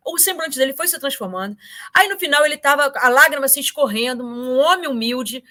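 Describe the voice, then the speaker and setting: A woman tells a story as an interview guest. Her voice sits high and sounds bright and sharp. She talks casually and animatedly, with many fillers and repeated words. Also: animated, brisk. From Brazil.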